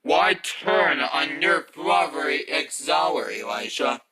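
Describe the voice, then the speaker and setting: An actor playing a menacing, taunting demon villain with a theatrical, grandiose delivery in fan cartoon cutscenes. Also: male voice, on the high side, lively intonation, takes it slowly, crowd noise. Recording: roomy, long reverb.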